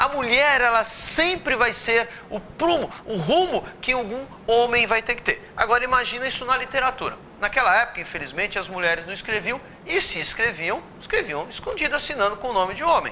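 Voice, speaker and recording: A man speaks in an animated way at a fairly quick pace, with a Brazilian accent and an extremely high pitch. His intonation is lively, and there is noticeable background noise. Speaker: teacher. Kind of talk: lecture. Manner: fast.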